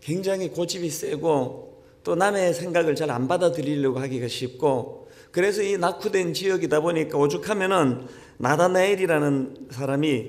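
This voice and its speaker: The pace is fairly slow. Audible room echo can be heard. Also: man. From South Korea, Daegu (Gyeongsang). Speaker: pastor. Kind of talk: sermon.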